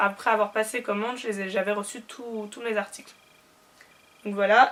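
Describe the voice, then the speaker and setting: Over noticeable background noise, a woman with a fairly high-pitched voice talks at a moderate pace. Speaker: holiday camp counsellor. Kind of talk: casual product review to camera.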